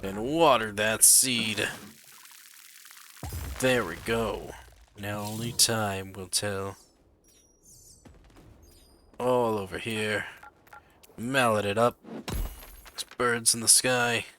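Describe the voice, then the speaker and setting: A man's voice: fairly low pitch, fairly even intonation, drawn-out words, long pauses, bright, forceful tone, slight background noise. A man giving casual, playful commentary as he hosts a gaming video.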